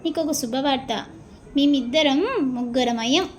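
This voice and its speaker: A woman's voice: high voice, steady tone, normal speed, a little hiss or hum, close to an everyday voice. A woman voicing a complaining son in a joke.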